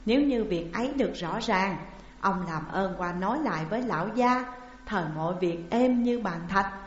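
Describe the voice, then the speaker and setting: A woman voicing a calm, shrewd old wet nurse who talks steadily and reassuringly, in a muffled, echoing recording. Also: mid-range voice, normal speed, close to an everyday voice. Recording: muffled, roomy with long reverb.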